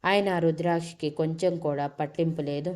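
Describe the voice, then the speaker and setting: Low-voiced woman narrating a story. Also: fairly even intonation, fairly quick, a little mellow.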